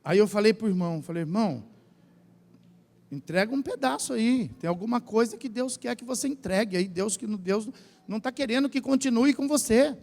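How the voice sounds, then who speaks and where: Man, pastor, Brazilian Portuguese accent, very high voice, gravelly, animated sermon, long church-hall reverb. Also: brisk. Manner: animated preaching, shouting at peaks, joking asides.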